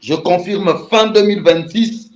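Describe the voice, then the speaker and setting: A Congolese man with a Congolese French accent, a musician guest in a casual interview, repeating warm greetings. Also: high voice, unhurried. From Republic of the Congo. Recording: roomy, dull lo-fi sound.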